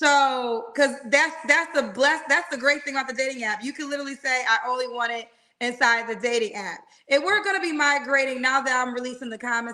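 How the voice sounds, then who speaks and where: With an American accent, a woman projects a raised voice at a high pitch, with ordinary pitch variation. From Connecticut, US. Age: 60s. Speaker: live-stream dating show host. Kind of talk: casual live-stream chat.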